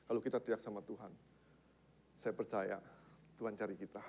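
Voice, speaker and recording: A man preaching a church sermon, casual and slangy, swinging from loud declarations to hushed asides and asking the congregation questions. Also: on the low side, flat delivery, brisk. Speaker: pastor. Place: church service.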